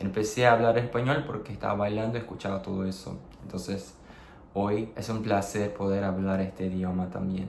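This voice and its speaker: A fairly low-pitched man amid noticeable background noise and audible room echo. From Brazil. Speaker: polyglot language teacher. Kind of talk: casual vlog monologue. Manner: unscripted, with fillers.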